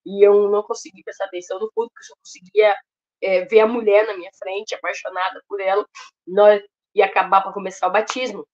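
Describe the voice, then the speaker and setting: A woman's voice: medium pitch, level tone, fast talker, a little mellow. A Brazilian woman shares her personal conversion testimony in an emotional, storytelling manner, often turning to address her listeners directly. The recording sounds somewhat dull and lo-fi. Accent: Brazilian Portuguese. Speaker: testimony speaker at a ministry.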